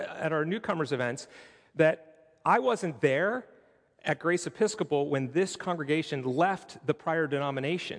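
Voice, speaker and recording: Using a plain, everyday voice, a man talks with lively intonation at a fairly high pitch. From Pittsburgh, US. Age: 40s. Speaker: pastor. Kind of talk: sermon. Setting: church.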